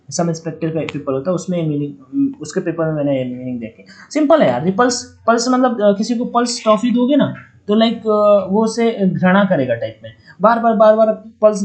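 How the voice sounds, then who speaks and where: In this roughly recorded clip, a man teaches exam students new words in a casual online lesson, his voice high and a little mellow. He leans on humorous memory tricks and chats with viewers in the manner of a friendly older brother.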